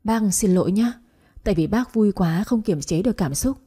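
A woman puts on an elderly mother, tearful and emotional, in a mellow, breathy tone. The voice stays soft and warm, with a husky edge. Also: mid-range voice, animated, normal speed.

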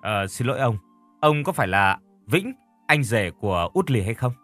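A man's voice: medium pitch, sing-song, normal speed, fairly bright tone, no room sound, soft background music. A man playing a stern, formal policeman. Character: stern male police officer.

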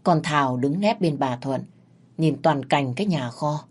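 A woman reading a scripted narration of a ghost story in a steady, measured way. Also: low-pitched, breathy edge.

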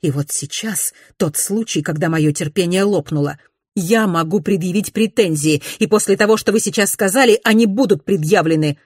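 A composed young woman, as a woman reading aloud plays her, speaking in a quiet, measured, restrained way. Her voice stays low and firm in a storybook reading. The sound is dry and close. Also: husky, no echo. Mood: stern warning.

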